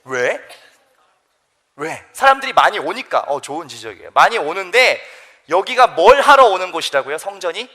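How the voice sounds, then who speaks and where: A young man, a youth pastor, preaching a sermon to teenagers in a lively storytelling way and asking them questions. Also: sits high, moderate pace.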